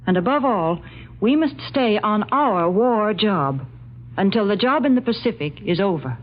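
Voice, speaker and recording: A woman's voice: mid-range voice, lively intonation, moderate pace, background noise. An American woman announcing on 1940s radio, reading scripted copy in a cheerful, earnest, emphatic way. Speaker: sponsor announcer and co-host. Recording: muffled 1940s radio recording.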